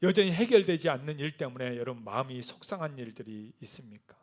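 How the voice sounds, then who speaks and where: Korean pastor preaching, hushed to soaring. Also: male voice, mid-range voice, quick pace. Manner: swings from soft near-whispered comfort to loud rising exhortation. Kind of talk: sermon.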